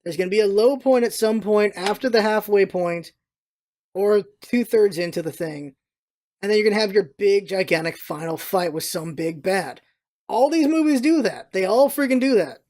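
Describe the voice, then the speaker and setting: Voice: mid-range voice, lively intonation, moderate pace, darkish tone. A vlog host giving casual, opinionated movie commentary in an emphatic, exasperated, ranting manner.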